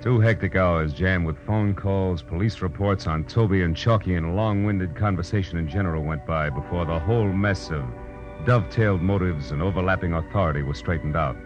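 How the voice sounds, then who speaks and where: An actor playing a tough, sardonic private detective in a 1940s radio drama. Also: male voice, low voice, brisk, over music, lightly acted. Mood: wry, narrating. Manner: tough, clipped, wry. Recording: muffled old radio recording.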